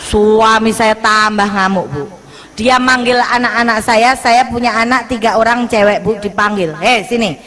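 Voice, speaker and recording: Woman preacher, high and bright, animated storyteller who acts out every voice. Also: moderate pace, big-room sound. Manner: animated, acts out dialogue, mixes in Javanese. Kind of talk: storytelling sermon.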